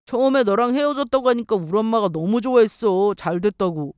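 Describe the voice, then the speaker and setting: A woman's voice: a little high, a little fast, a little mellow, smooth, dry recording, clean studio sound, close to an everyday voice. A woman voicing a clingy, self-pitying ex-husband in a dramatized story reading, pleading and whining. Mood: complaining. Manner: whiny, pleading.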